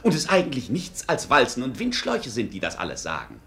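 A man's voice: mid-range voice, wildly swooping pitch, fairly quick, gravelly, fairly bright tone, exaggerated voice. An actor playing a whimsical, rambling male court fool who talks like a mock-grandiose showman in a theatrical radio play. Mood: rambling, playful.

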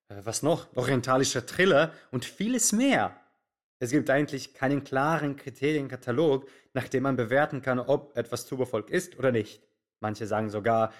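A man's voice: medium pitch, natural voice. An actor playing a theatrical male radio show presenter who narrates dramatically and addresses listeners directly. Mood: playful, ironic. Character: Yugo Slaven, flamboyant male Yugoslav radio presenter.

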